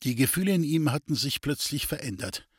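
A man narrating a literary story in an expressive storytelling read. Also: a little high, brisk, breathy edge, no room sound, studio quality. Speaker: audiobook narrator.

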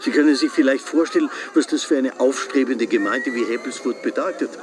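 A man's voice: medium pitch, a little fast, natural voice. A man playing a defensive small-town mayor. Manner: defensive, rambling, justifying himself. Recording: noisy background.

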